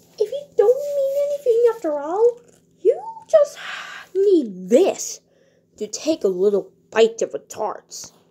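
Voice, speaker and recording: A woman uses a put-on character voice that is whiny and pitched extremely high. She talks at a fairly slow pace, with long pauses that come often. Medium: read story. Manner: nervous, whiny.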